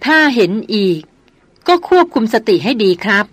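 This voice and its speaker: Woman voicing a calm male jungle hunter, steady, reassuring, dry close read. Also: fairly high pitch, moderate pace, breathy edge, no echo. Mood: calm advising.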